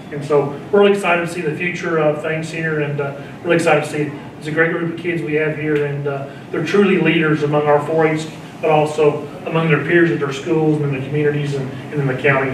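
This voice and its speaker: A man, a county extension agent, giving halting informal remarks at a county meeting with many fillers and restarts. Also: on the high side. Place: county commissioners courtroom. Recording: echoey room, distant mic, noisy.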